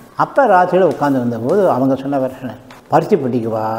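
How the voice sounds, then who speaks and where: Noticeable background noise sits behind a man's speech. His voice is medium-pitched with ordinary pitch variation. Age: 80s+. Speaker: devotee of a spiritual teacher. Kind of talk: interview answer, personal story.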